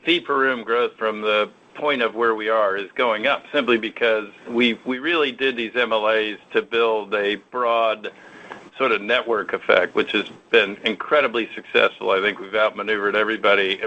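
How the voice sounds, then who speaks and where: A man's voice: on the low side, steady tone, normal speed, bright, forceful tone. An American man, a company executive, answering analyst questions in a conversational, self-assured, explanatory way. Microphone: conference call line. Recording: dull lo-fi conference call audio.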